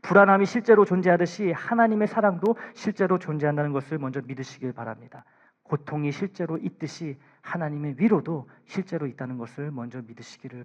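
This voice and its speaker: A man preaching a sermon as pastor in a church, pleading, with hushed asides and raised emphatic lines. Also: high-pitched, dull audio. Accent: Korean. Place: church sanctuary.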